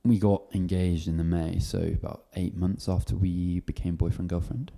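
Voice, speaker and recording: Young man, low gravelly voice. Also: fairly even intonation, mellow. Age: 20s. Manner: chatty, joking, fast. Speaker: channel host. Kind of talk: casual Q&A chat.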